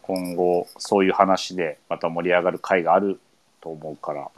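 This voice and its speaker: A man hosting a casual radio chat, easygoing and filling pauses with many hesitation sounds. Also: deep voice, fairly even intonation. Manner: easygoing, leads with many fillers. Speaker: radio show host.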